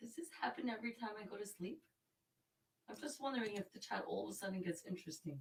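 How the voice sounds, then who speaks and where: This woman talks at a very fast pace with a fairly high pitch. Her voice swings very widely in pitch and shows vocal fry. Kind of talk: casual livestream banter. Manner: vocal, teasing.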